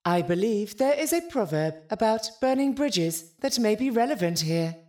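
A woman playing a calm, literal-minded artificial companion in an audio drama, speaking in a measured, formal, deadpan way. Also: mid-range voice, close to an everyday voice. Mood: calm, analytical.

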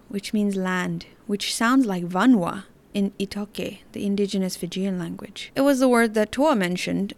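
A woman hosting a podcast, reading scripted commentary in an earnest, reflective way. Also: mid-range voice. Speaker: podcast host.

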